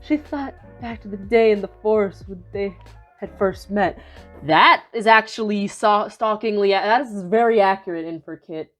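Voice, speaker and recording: A woman's voice: mid-range voice, fairly even intonation, moderate pace, fairly bright tone, soft background music. Young woman, giggly, casual commentary, swears, restarts sentences, video creator. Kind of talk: casual commentary while reading AI fanfiction aloud.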